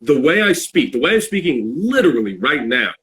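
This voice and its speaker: A man in a casual, reflective podcast chat, halting as he searches for words. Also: mid-range voice, very animated, a bit bright, slight background noise. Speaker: podcast speaker.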